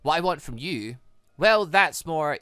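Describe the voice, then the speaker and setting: A man voicing a menacing, manipulative young woman villain in a visual novel, deliberate and coolly playful. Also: fairly high pitch, expressive, a bit bright, clear, resonant tone, dry recording, clean studio sound. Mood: sly, taunting. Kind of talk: visual novel character read-aloud.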